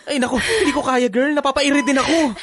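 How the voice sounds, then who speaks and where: A woman's voice: high voice, fast talker, fairly bright tone, a little hiss or hum. A woman acting in a Filipino audio drama as a sassy, scolding, exasperated but caring lesbian co-parent. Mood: flustered.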